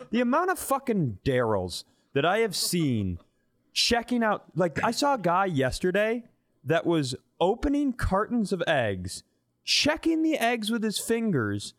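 A middle-aged man with a somewhat high voice banters as a comedy podcast host. His pitch swings widely as he acts out quotes, and he swears freely in a casual, animated style. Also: moderate pace.

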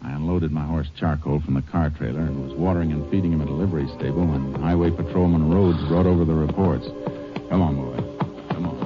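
An actor playing a steady, determined Texas Ranger who talks and narrates tersely in a 1950s radio western. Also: male voice, extremely low pitch, music in the background. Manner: terse, measured, calm. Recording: dull old radio broadcast recording.

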